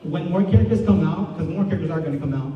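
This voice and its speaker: A man's voice: a little high, racing. A man in the audience politely asking the panel a question. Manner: polite, earnest. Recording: muffled, echoey hall from far off.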